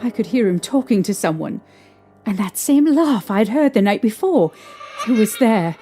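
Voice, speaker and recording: A woman playing a young mother shaken by strange happenings, recalling them in a halting, hesitant way. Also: medium pitch, very animated, dark tone. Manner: hesitant, halting recollection with restarts. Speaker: interviewee recounting events. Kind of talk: fan audio drama acting. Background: faint music.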